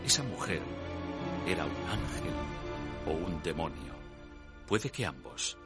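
An actor playing a pious priest who recounts his youth in solemn, measured, literary radio theatre narration. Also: low-pitched, big pitch swings. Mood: awed, entranced. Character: pious male priest recalling his innocent youth and temptation. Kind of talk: dramatic first-person radio theatre narration. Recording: music under the voice. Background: music.

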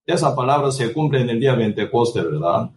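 A man preaching a sermon tacks a questioning "right?" onto nearly every phrase, restarts words, and cites scripture by chapter and verse. His voice is medium-pitched, brisk, and lively in intonation, and he sounds distant from the microphone.

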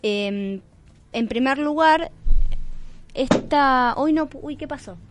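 Woman chatting as radio host, higher-pitched voice. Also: slow pace, noisy background. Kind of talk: casual radio chat.

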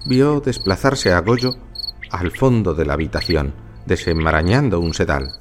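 A man narrating a story in an expressive, dramatic reading style. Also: low voice, normal speed, music in the background.

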